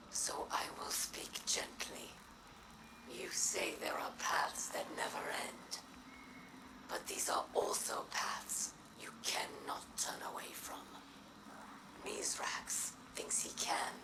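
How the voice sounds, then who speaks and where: An actress playing a hardened, bitter female alien pirate captain in a video game, speaking gravely and ominously. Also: rumbling low, steady tone, slow pace, in a whisper, full character voice. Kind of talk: dramatic video game acting. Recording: roomy echo under loud music.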